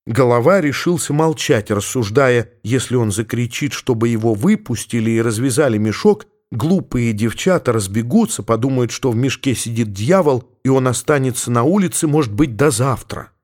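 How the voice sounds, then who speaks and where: A male audiobook narrator reading classic prose. He tells the story expressively, in a voice of ordinary middle pitch. The delivery is measured and vivid. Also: lively intonation, darkish tone.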